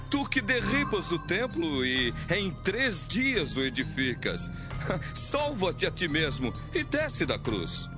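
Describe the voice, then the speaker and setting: Man acting a slow, high-pitched jeering heckler. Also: wildly swooping pitch, music in the background, exaggerated voice. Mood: mocking. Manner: taunting, drawn-out. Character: jeering male passerby mocking a crucified man. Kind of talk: dramatised audio Bible.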